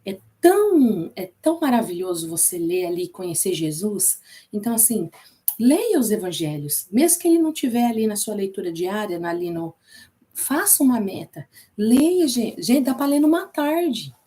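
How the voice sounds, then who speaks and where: A woman's voice: mid-range voice, very animated, moderate pace, warm tone. A woman with a Brazilian Portuguese accent who teaches an informal Bible class in a chatty way, repeating herself and using many fillers.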